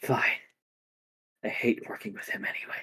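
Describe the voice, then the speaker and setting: A put-on character voice, hissing, raspy and growling, at a moderate pace. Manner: snarling, hissing, hostile.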